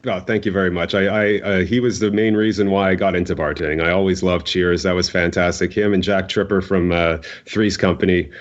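A man's voice: deep voice, steady tone, brisk, hardly any pauses, dull audio. A middle-aged man, a veteran bartender, talking casually and emphatically on a podcast, repeating words for stress.

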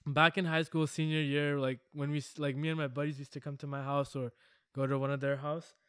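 Male podcast co-host, casual storyteller, laughs a lot, slightly high smooth voice. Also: level tone, brisk, a bit bright, no room sound, clean studio sound. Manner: laughs often, swears, rambling storytelling. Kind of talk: casual chat.

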